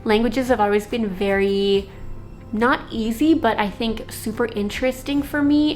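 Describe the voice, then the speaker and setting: A young woman born in Slovakia, a native Slovak speaker, telling a rambling personal story as a vlogger, with many fillers. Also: mid-range voice. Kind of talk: casual storytelling.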